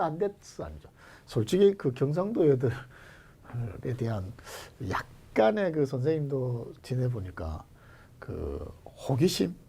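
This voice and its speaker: A man teaching Korean grammar for civil service exams in a jokey, animated way, jumping between loud calls and whispered asides, his throat strained. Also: a little high, gravelly, husky. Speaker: Korean language exam lecturer. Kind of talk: online exam-prep lecture.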